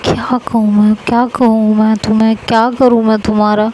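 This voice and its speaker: Scolding young friend, voiced by a woman narrator, brusque and impatient, mid-high voice. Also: level tone, moderate pace, darkish tone, a little hiss or hum, lightly acted. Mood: coaxing. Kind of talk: amateur audio story reading.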